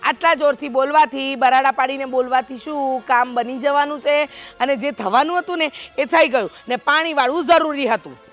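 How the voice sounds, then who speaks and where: An actress voices a sharp-tongued village housewife with a Kathiyawadi accent and a very high voice. She nags and argues in a constant, exasperated tone. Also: moderate pace, faint music behind. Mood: arguing. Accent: Kathiyawadi Gujarati. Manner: exasperated, nagging. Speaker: wife and sister-in-law. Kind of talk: village family drama acting.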